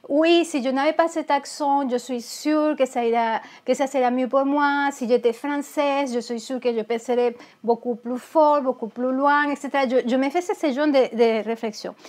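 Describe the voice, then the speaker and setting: A woman's voice: high-pitched, a little mellow. A woman from Venezuela with a Venezuelan Spanish accent, a therapist speaking earnestly in an interview, often restarting her words. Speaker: therapist and guest. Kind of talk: candid interview talk.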